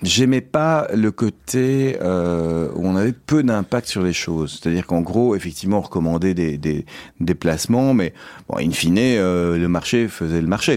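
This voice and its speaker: The man's voice is very deep and low in pitch. Its pitch varies in an ordinary way. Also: very clean recording, silent background. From Belgium (Brussels area), born in Paris. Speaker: business owner, mergers and acquisitions advisor. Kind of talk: radio interview. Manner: hesitant, many fillers.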